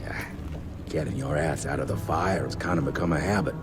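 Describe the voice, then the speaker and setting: An actor playing a gruff, world-weary veteran field agent in a video game, blunt and folksy in manner. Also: male voice, extremely low pitch, brisk. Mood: weary, earnest. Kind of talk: video game cutscene acting. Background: music.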